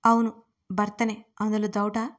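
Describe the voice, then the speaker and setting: A furious young husband who shouts and accuses in a high, level voice. A woman storyteller reads his lines in her own voice. It is a spoken audio story. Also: little pitch movement, fairly quick, lightly acted. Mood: angry. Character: gruff angry young husband.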